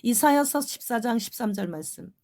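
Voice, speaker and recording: A woman's voice: on the high side, expressive, normal speed, creaky, darkish tone. A middle-aged woman pastor giving a testimonial sermon in a conversational way, with rhetorical questions to the congregation.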